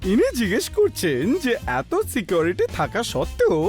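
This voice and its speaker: Earnest excitable cartoon translator, pitch jumps all over, faint music. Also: moderate pace. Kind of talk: children's cartoon dubbing.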